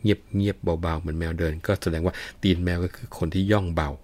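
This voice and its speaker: Deep-voiced male storyteller. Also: steady tone, brisk, darkish tone. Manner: leisurely, chatty, addresses listeners. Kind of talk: storytelling with idiom explanations.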